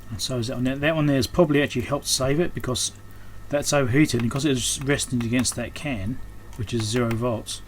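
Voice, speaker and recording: Guy muttering through a repair job, mid pitch voice, kinda noisy room, thinks out loud. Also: fairly quick, few pauses. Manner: unscripted, thinking aloud, trailing off mid-thought. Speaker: electronics repairer and video host. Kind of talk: casual hands-on repair commentary. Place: indoors at a repair workbench. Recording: clear background noise, room ambience.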